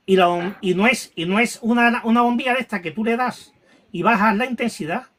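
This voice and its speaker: A man telling a painful personal story, halting with restarts and repetitions, audibly moved and close to tears. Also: high-pitched, a bit bright. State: emotional, near tears. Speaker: guest recounting a paranormal experience.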